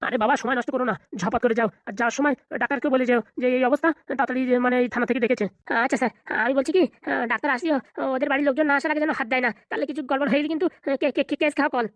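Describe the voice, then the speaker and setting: Voice artist as slightly high, very fast, sly cartoon cop. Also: fairly even intonation, fairly bright tone, dry recording, clean studio sound. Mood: scheming. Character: lazy male police officer and his constable.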